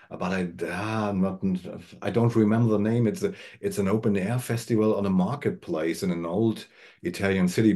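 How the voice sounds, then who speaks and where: German man in his fifties on a webcam, lowish voice, halting English, many restarts. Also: darkish tone. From Eastern Germany. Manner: halting, searching for words, frequent restarts; gestures with hands while talking. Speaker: band member, guest. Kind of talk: casual video-call interview. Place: home room with bookshelves. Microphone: video call webcam.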